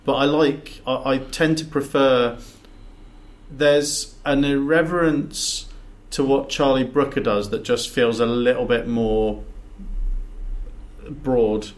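A man's voice: mid-range voice, fairly even intonation, slow pace. A man co-hosting a casual podcast chat, rambling with frequent restarts and repeated words, sitting back from the microphone in a makeshift studio. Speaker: podcast co-host. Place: big echoey box used as studio. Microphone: sitting back from the table and mic.

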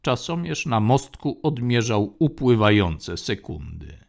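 A man giving steady, even audiobook narration. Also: medium pitch, measured pace, creaky. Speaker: audiobook reader.

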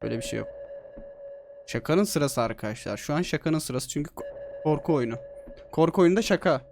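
Brief: slightly high-voiced male streamer, jumpy and profane horror-game commentary. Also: brisk, vocal fry, music in the background. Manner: excitable, swears a lot, jokey. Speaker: gaming streamer. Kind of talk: let's play commentary.

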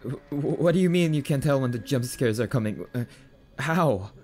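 A man's voice: medium pitch, lively intonation, normal speed, a little mellow, slight background noise, lightly acted. A man playing a grumpy, affectionate, easily spooked young catboy boyfriend in an ASMR roleplay, defensive and prone to stammering. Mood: nervous.

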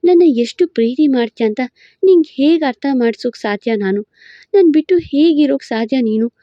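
A woman voicing a sweet young wife who scolds her husband gently and with affection. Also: high-pitched, animated, normal speed, no room sound, highs cut off. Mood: tender. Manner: soft, lightly raised, affectionate scolding. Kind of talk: storybook narration with voiced roles.

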